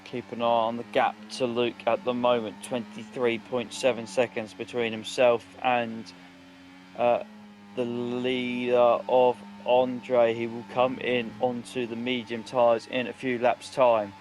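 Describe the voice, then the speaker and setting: Guy with a medium-pitch voice doing motorsport commentary, stops and thinks while giving the gaps. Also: level tone, measured pace, a little mellow, soft background music. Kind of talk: live motorsport race commentary.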